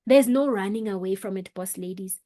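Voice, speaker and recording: A woman coaching an online workshop on public speaking, talking with expressive shifts in volume and pace for emphasis. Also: mid-range voice, brisk. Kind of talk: motivational online workshop talk.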